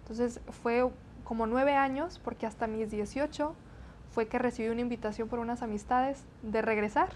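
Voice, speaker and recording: A young woman in her twenties from the Texas–Mexico border answers an interviewer in a chatty, easygoing way. She fills her answers with eh and repeated "sí, sí, sí". Her voice sits a little high, with a faint hiss behind it. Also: steady tone, normal speed. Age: 20s. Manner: chatty, many fillers and repeated "sí, sí, sí". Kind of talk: interview conversation.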